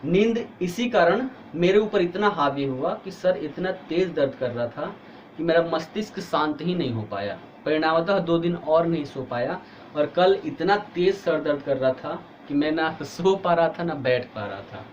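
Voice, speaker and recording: A man's voice: a little high, lively intonation, normal speed, muffled recording, slight background noise. A male teacher giving an online exam-prep history lecture, explaining step by step and asking students questions, tired with a headache.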